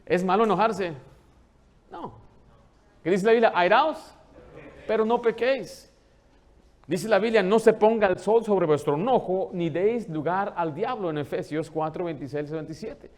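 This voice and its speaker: A man preaching a sermon as pastor, animated, asking the congregation questions and acting out the people he quotes. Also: high-pitched, moderate pace. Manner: acts out quoted dialogue in changed voices.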